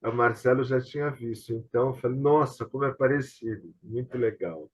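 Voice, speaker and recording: A man's voice: mid-range voice, brisk, slightly rough. A Brazilian man hosting a casual online conversation, telling anecdotes in a rambling way with frequent tag questions. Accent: Brazilian Portuguese. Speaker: host of an online tribute talk. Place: online video call. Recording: dull, lo-fi video call audio.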